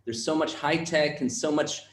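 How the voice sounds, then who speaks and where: A man with a Brooklyn Jewish accent, speaking as an interview guest in a reflective, measured, self-deprecating way. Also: fairly high pitch, slight background noise. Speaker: actor and guest. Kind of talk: conversational interview. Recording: roomy echo.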